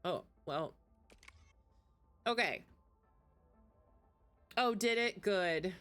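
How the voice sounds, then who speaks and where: A woman's voice: mid-range voice, lively intonation, extremely slow, fairly bright tone, clear, resonant tone. Chatty woman streamer over game music. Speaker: game livestreamer. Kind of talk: casual gaming stream chat.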